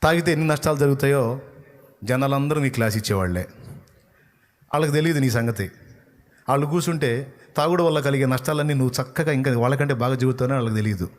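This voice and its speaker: A male pastor preaching a sermon emphatically, swinging between loud rebukes and low, earnest tones. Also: quick pace, long pauses.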